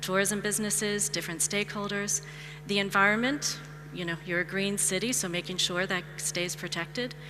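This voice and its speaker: With a bright, sharp tone and vocal fry, the speaker talks at a fairly quick pace in an American accent with ordinary pitch variation, recorded with audible room echo. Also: woman, medium pitch for a woman. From United States. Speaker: tourism and marketing advisor. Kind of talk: conference talk.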